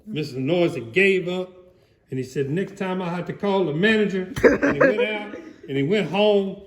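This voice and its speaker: A man's voice: moderate pace, close to an everyday voice. A man voicing a goofy alligator who reads a storybook aloud theatrically, rambling and prone to laughter. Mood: hammy, amused. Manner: theatrical, booming shouts, rambling, breaks into laughter. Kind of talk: comedic dramatic storybook reading.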